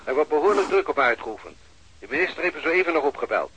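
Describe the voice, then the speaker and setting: An actor playing an insistent police chief pressing a detective for quick results, in a radio drama. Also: male voice, on the high side, very animated, a bit bright, slight background noise, low-quality recording. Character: pushy police chief, middle-aged man.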